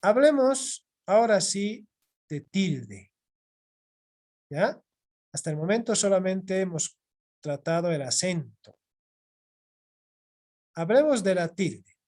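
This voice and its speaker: A patient teacher lecturing an online class over a video call microphone. The voice sits at a middle pitch. Key points come back again and again, with a quick check-in after each. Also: lively intonation, a little mellow. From Bolivia.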